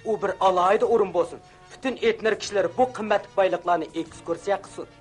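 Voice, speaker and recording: A man voicing a measured cartoon professor. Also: high voice, fairly even intonation, soft background music, natural voice. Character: calm older male cartoon professor. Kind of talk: cartoon dub acting.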